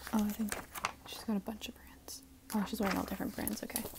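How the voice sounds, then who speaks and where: Whispering fills the clip. The whisperer is a woman. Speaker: ASMR creator. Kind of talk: ASMR whisper and soft-spoken talk. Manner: whispered, soft-spoken. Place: home room. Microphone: earbuds.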